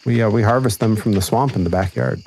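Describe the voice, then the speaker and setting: A man from New England with a smooth voice, chatting casually with dry humor while playing a co-op game. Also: on the low side, fast talker, a little mellow, a little hiss or hum. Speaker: co-op gaming partner. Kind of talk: casual co-op gaming chat.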